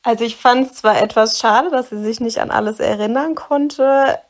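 A woman's voice: a little high, moderate pace. A woman in her mid-twenties speaking as a fan in a voice message. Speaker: podcast listener, fan.

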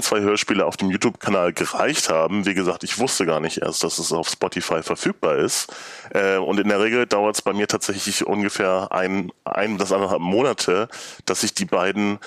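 A man's voice: low-pitched, fairly even intonation, normal speed, fairly bright tone, no echo. A man chatting casually as a guest on a podcast. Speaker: podcast guest, fan of audio plays. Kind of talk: casual chat.

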